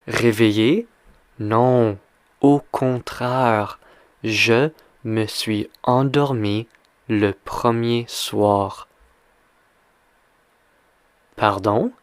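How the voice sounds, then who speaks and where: A man's voice: mid-range voice, very slow, long pauses, no room sound. A man teaching French, reading a story aloud and quizzing the listener with simple, repeated questions. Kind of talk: slow question-and-answer reading lesson.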